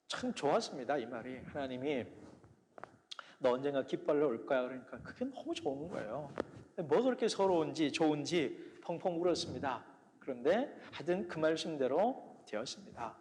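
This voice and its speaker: A man preaching a sermon as a pastor, telling his story earnestly and often dropping to soft, quiet phrases. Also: on the high side, big pitch swings, normal speed, slight background noise. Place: church sanctuary. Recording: church hall reverb.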